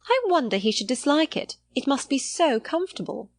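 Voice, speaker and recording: A placid middle-aged wife from a period novel, as a woman reader plays her. She prattles mildly and fussily about small matters in a lifted, higher voice. The sound is dry. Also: very animated, brisk, no echo. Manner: placid, mildly fretful chatter. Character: placid, trivial-minded middle-aged married lady, fussy about clothes.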